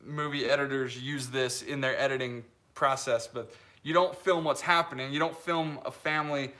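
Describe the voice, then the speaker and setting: A man's voice: mid-range voice, fairly even intonation, moderate pace, sharp tone. A man in his late twenties from Utah, hosting a casual live stream and chatting loosely through viewer comments, with lots of fillers and restarts. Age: 20s. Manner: rambling, with many restarts and fillers, laughs easily.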